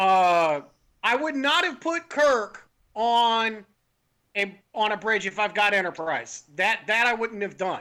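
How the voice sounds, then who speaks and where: A man speaks very slowly at a high pitch. His voice is raised and projected, with lively intonation. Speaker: game player caller. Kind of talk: casual chat. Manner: loud.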